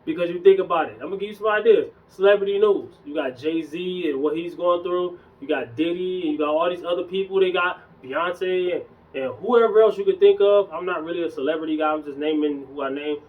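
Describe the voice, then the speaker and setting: A young man casually talking in a relaxed, slangy way as a fitness vlogger, a bit hoarse from losing his voice. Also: high-pitched, brisk, hardly any pauses, distant mic, phone-quality sound. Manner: loose, conversational, slangy. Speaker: fitness YouTuber. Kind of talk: casual vlog chat.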